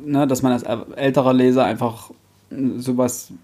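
A man's voice: mid-range voice, flat delivery, normal speed, warm tone. A man co-hosting a podcast in a casual book discussion, colloquial and blunt, now and then mildly crude. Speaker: podcast co-host.

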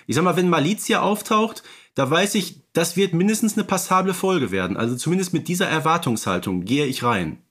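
A man's voice: on the high side, lively intonation, brisk, hardly any pauses, fairly bright tone. Thoughtful man musing in a fan podcast. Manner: thoughtful, hedging with "ich sag mal", asks his co-host questions. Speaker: podcast co-host. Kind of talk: casual fan podcast discussion.

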